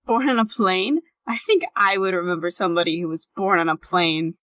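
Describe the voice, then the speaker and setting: A woman's voice: lowish voice, a little fast, a bit bright, dry recording, clean studio sound, lightly acted. A woman playing a skeptical, blunt older sister in an audio drama. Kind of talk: hobby audio drama acting.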